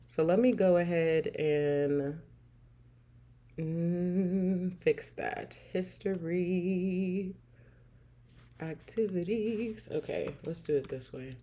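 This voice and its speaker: A woman's voice: low-pitched, a little hiss or hum. Chatty woman hosting a livestream. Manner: warm, chatty, laughs often, repeats "I love it". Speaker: livestream host. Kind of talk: casual livestream chat reading viewer comments.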